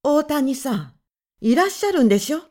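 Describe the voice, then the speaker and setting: A woman's voice: on the high side, very animated, normal speed, a little mellow. A woman voicing a thin, prim woman of about forty who speaks in a clipped, sharply indignant way.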